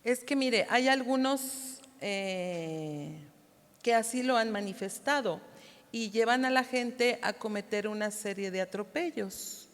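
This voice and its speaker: A woman's voice: fairly high pitch, slow. A Mexican woman giving a church Bible lesson, explaining step by step and often asking the congregation to confirm they follow. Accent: Mexican Spanish. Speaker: Bible study teacher. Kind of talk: church teaching. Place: church hall. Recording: reverberant hall, sound system distortion.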